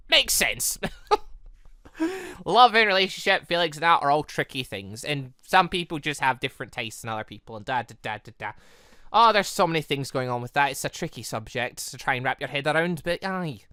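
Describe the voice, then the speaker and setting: A man's voice: on the high side, sharp tone, dry recording, studio quality. A man giving casual, rambling let's-play commentary as a gaming host, often repeating and rephrasing himself.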